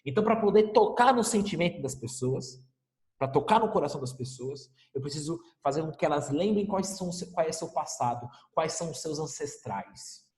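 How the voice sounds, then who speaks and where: A man's voice: on the high side, animated, moderate pace, a little mellow. Male teacher, recorded lecture; emphatic, rhetorical, repeats points; roomy echo. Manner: emphatic, rhetorical questions and repetition. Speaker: history teacher. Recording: echoey room with long reverb.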